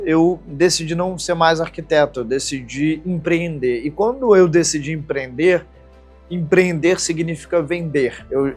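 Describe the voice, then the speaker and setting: A man from Rio de Janeiro, a business partner calmly reflecting on his path into entrepreneurship. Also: on the high side. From Brazil, Rio de Janeiro. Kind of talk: documentary-style personal storytelling.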